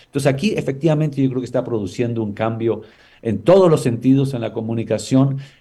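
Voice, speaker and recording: Talking very fast, a man with a medium-pitched, dark, mellow and somewhat breathy voice uses ordinary pitch variation. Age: 60s. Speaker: government communications secretary. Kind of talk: radio interview.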